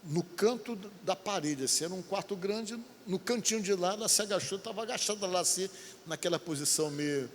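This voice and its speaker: A man's voice: high-pitched, fairly quick. A male pastor preaching a sermon, telling a story vividly and acting out the quotes. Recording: hall reverb, faint ambient noise.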